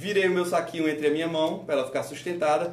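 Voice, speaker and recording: In a room with audible echo and light background noise, a man speaks very fast at a high pitch. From Brazil, Fortaleza (Ceará). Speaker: cake decorator teaching a class. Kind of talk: online tutorial. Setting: live online class. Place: kitchen. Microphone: phone near.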